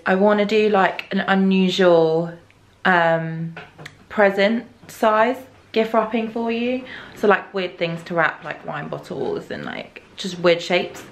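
A woman's voice: on the low side, slight background noise. A young woman, chatting casually to camera while doing chores around her bedroom and thinking aloud. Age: young adult. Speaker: vlogger. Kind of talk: casual vlog chat. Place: bedroom at home, indoors. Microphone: camera held at arm's length and set on furniture.

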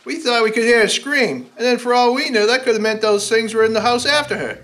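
A man's voice: very high-pitched, a little fast, a bit bright. A man playing an irritable, stubborn, fearful family man, argumentative and insistent, in a radio play. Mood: defensive. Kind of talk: stage radio-play acting. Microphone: stand microphone on a stage. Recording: music under stage performance.

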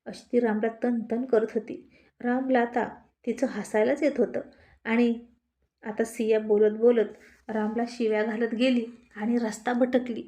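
A woman's voice: a little high, darkish tone. A woman reading a Marathi story aloud, narrating and voicing each character's dialogue herself. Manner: switches between narration and quoted dialogue.

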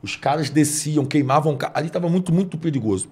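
A man, a preacher earnestly telling a personal testimony on a podcast, going soft and low when moved. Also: lively intonation, quick pace, slightly rough.

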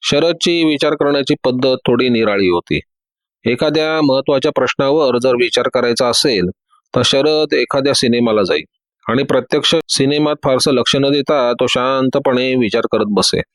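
A man's voice: mid-range voice, moderate pace, dry recording. Man narrating a detective story. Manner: steady storytelling. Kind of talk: scripted audiobook narration.

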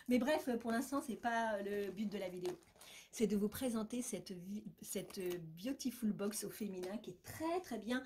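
Woman gushing over a beauty box, mid pitch, lots of euh and little asides. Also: a little hiss or hum. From France. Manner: chatty, enthusiastic, many fillers and asides. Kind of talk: casual unboxing chat.

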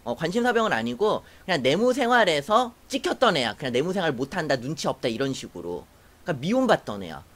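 A young woman telling a personal story to camera in a casual, animated way, acting out what others said. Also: deep voice, fast talker. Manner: animated, acts out quoted voices, laughs while telling. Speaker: YouTuber.

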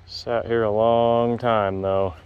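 A man calmly narrating a casual walk-around tour of a wooded car lot outdoors, in matter-of-fact, unhurried remarks. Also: lowish voice, smooth, dull audio. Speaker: vlogger touring a car lot.

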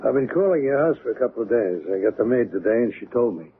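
An actor playing a sober, resigned, skeptical friend in a 1970s radio drama. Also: male voice, medium pitch, expressive, fast talker, close to an everyday voice. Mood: casual, uneasy. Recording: narrow-band old radio, background noise.

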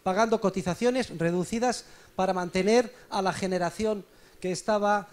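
A man with a high-pitched voice gives an explanation at a conference. He is emphatic and didactic, like an economist making his case. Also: steady tone, moderate pace. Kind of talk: explanatory speech at a conference debate.

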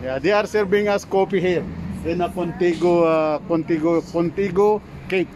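A middle-aged man casually vlogging outdoors through a face mask, in halting, repetitive simple phrases. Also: sits high. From Philippines. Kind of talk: casual selfie vlog narration. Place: outdoors at a food truck park. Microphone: phone at arm's length. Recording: clear outdoor street and traffic noise.

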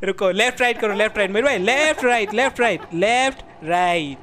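A man streaming a multiplayer game, laughing a lot, yelling for help and coaching his friends. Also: high-pitched, expressive, brisk. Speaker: gaming streamer. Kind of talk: excited multiplayer gameplay commentary.

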